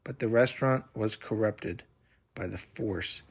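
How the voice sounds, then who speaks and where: A man's voice: lowish voice, measured pace, vocal fry. A man voicing a mysterious hooded woman who speaks in solemn, ominous warnings for a children's fantasy story. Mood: grave.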